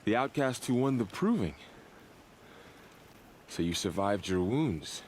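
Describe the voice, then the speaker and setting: A man playing a grave, wary tribal warrior in a video game, speaking in a solemn, measured way. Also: fairly low pitch, animated, darkish tone, slight background noise.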